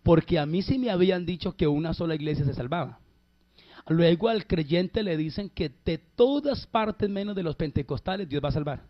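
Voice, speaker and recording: A man's voice: a little high, animated. A man preaching a personal testimony in an emphatic way, stretching out key phrases and calling his listeners brother. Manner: emphatic, drawn-out phrases addressed to "hermano". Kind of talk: sermon testimony. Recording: dull lo-fi recording.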